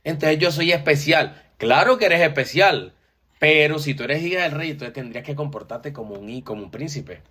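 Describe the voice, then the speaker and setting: A man's voice: a little high, animated, brisk, bright, forceful tone, husky. A man, co-hosting a Christian talk and explaining points with many "o sea" fillers. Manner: explanatory, repeats "o sea" and "entonces". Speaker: co-host.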